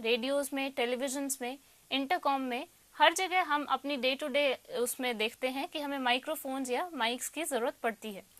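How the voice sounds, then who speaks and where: Female tutor, Indian accent, high pitch, didactic question-and-answer lecture delivery, dry sound. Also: sharp tone, no echo. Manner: didactic, poses questions then answers them. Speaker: electronics tutor. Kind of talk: explanatory lecture mixing Hindi and English.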